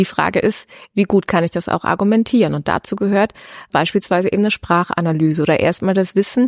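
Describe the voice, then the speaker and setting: This woman talks at a fairly quick pace with a medium pitch and fairly even intonation. The recording is very clean, with a silent background and a dry, close sound with no echo. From Germany, Cologne. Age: 30s. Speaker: pastor. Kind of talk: interview conversation. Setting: in-person, church office room.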